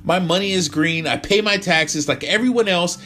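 A man voicing a loud, indignant young gay man who rants and confronts people. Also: lively intonation, a little slow, a little hiss or hum. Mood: shouting. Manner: shrill, ranting, confrontational.

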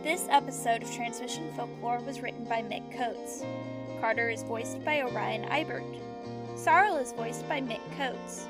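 A woman's voice: a little high, steady tone, measured pace, over loud music. A woman reading scripted credits as a podcast announcer.

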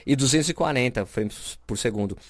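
A man's voice: mid-range voice, a little fast, no room sound. A man from Brazil co-hosting a podcast, chatting casually and explaining camera settings with lots of fillers and restarts. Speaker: podcast co-host. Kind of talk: casual chat.

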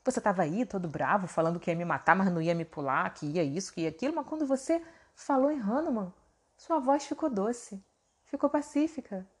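A woman voicing an old male monkey blocking a path, speaking in a calm, teasing way. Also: medium pitch, brisk, slightly rough, pitched below the performer's own voice, close to an everyday voice.

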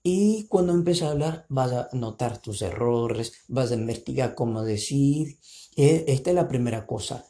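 Low-voiced woman giving earnest advice. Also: mellow. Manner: earnest, encouraging, thinks aloud with hesitations. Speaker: podcast host. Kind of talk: casual advice monologue.

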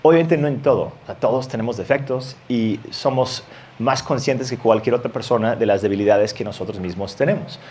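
Un hombre que predica un sermón en tono conversacional, leyendo pasajes bíblicos y riendo un poco de vez en cuando. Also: male voice, medium pitch, brisk, a little mellow, a little hiss or hum. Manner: conversational, reads scripture aloud with light laughs. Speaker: pastor. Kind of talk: sermon.

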